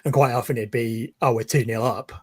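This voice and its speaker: A man talking football as a guest on a video call interview, measured and thoughtful with many pauses. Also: mid-range voice, steady tone, breathy edge, no room sound, studio quality. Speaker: guest, football fan page creator. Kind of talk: casual interview chat.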